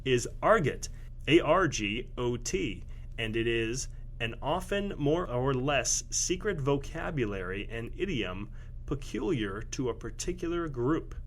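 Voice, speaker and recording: Man, podcast host, animated pitch, teasing and jokey, casual chat. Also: measured pace. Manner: jokey, teasing, laughs often.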